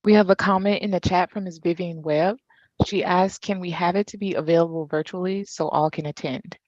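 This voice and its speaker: Female staffer, lower voice, plain read-aloud delivery, dry, muffled audio. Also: steady tone, brisk, darkish tone, no room sound. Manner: reads chat comments aloud plainly. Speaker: meeting staff reading chat.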